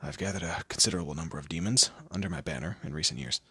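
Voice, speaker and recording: Audio roleplay demon lord, played by a man: low and bright-edged, close and dry, haughty, teasing, drawlingly condescending. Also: very fast, slightly rough, no room sound, heavily acted. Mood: haughty, commanding. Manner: theatrical, condescending, drawling, with amused asides. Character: smug, teasing male demon lord, proud torturer and bureaucrat. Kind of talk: scripted audio roleplay addressed to the listener.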